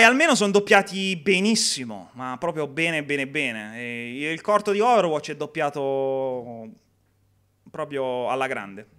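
A man's voice: on the high side, bright, forceful tone. A young man hosting a live gameplay stream, chatting and reading viewer comments in a jokey way. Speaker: game streamer.

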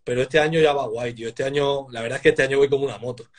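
A man in his twenties from Spain, chatting casually on a live video call from a small room, relaxed and laughing often. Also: medium pitch, very fast, background noise. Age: 20s. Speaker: powerlifter guest. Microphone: webcam on a video call.

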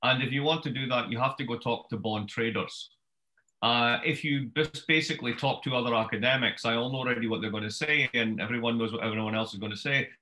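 A Scottish man in his fifties giving a wry, brisk book talk over a video call from his home study. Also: mid-range voice, low-quality recording. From Scotland. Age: 50s. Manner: brisk, wry storyteller with lively gestures. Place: home study with bookshelves, indoors. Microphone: webcam video call.

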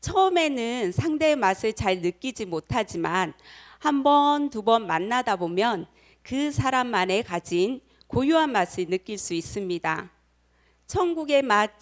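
A middle-aged woman giving a motivational lecture, telling a personal story and speaking directly to her audience. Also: mid-range voice. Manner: acts out quoted voices.

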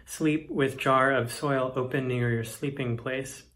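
A young man reads poetic instructions aloud, solemn and deliberate. His delivery is very slow and flat in pitch, with each short phrase set apart. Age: young adult. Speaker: poetry reader. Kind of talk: reading a poetic text aloud. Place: indoors, plain room.

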